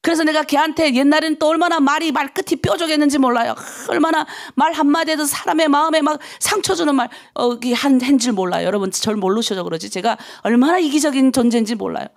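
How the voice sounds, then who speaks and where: A middle-aged woman pastor delivers a dawn prayer sermon in a high-pitched voice. Her voice carries a gravelly, fry-laden edge. She preaches emphatically, mixing rhetorical questions with stories from her own life. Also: quick pace, few pauses.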